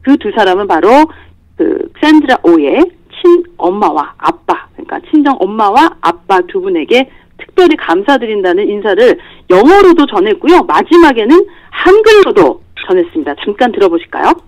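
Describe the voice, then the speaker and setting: A woman delivering a lively entertainment news report on a radio show. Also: mid-range voice, normal speed, no echo, rough recording. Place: radio studio.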